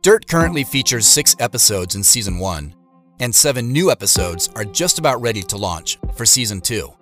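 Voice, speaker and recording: A man's voice: mid-range voice, a bit bright. A man presenting an audio drama in a scripted introduction. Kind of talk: scripted narration, show introduction.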